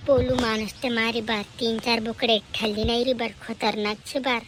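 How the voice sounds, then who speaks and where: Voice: medium pitch, little pitch movement, moderate pace, noisy background, natural voice. An actor voicing a stubborn village farmer father in a cartoon comedy, speaking with a rural Madhya Pradesh tribal accent. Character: village farmer father selling a goat at market, haggling stubbornly.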